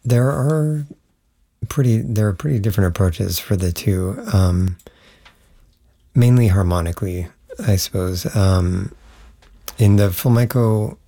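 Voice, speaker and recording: Low, dark, gravelly-voiced male musician. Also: unhurried, pauses often. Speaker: guitarist and guest musician. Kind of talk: interview answers.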